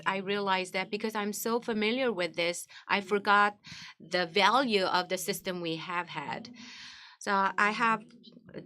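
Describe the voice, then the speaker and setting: A woman at a forum asking the guests a formal, deliberate question. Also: mid-range voice, a bit bright.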